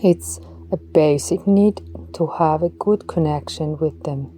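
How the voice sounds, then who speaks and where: A woman leading a guided meditation in a slow, soft voice, some words dropping to a breathy whisper. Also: sits low, faint music behind.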